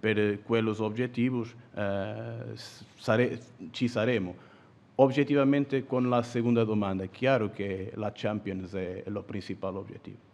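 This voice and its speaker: A man in a Portuguese accent, with ordinary pitch variation and long, frequent pauses. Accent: Portuguese-accented Italian. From Portugal. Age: 30s. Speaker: football club sporting director. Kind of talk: press conference. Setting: press room. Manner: halting. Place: hall.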